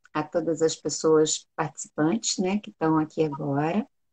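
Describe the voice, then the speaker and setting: Speaking with a Carioca accent, the woman has a fairly low pitch. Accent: carioca Brazilian Portuguese. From Rio de Janeiro, Brazil. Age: 60s. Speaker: astrologer. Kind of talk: live-stream interview. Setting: online live stream from home in forest.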